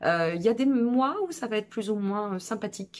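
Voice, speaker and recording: Her speech moves at a fairly quick pace. This woman's pitch is fairly high. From Burgundy, France. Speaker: tarot reader and spiritual guide. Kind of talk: casual monthly update to viewers. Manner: chatty, hesitant with many fillers.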